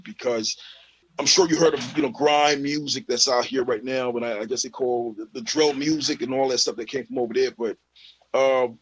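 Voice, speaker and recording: Husky man in easy interview chat. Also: medium pitch, fairly bright tone, low-quality recording. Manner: laid-back, repeats "you know what I'm saying". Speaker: guest rapper. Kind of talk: casual interview talk.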